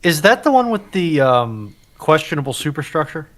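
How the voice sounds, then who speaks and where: A man's voice: on the high side, very animated, moderate pace, fairly bright tone. A man chatting casually as a co-panellist on a livestream. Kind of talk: casual chat.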